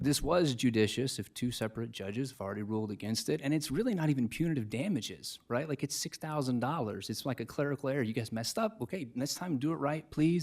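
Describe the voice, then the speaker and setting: A man talking at a very fast pace with lively intonation. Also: hardly any pauses. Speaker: public commenter at county meeting. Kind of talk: public comment. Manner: loud.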